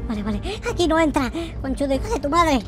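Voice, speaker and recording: A man playing a naive, panicky noob game character in excited, repetitive roleplay commentary. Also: very high voice, fast talker. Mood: panicked, fed up. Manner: frantic, repetitive, exclamatory. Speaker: gaming video creator. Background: faint music.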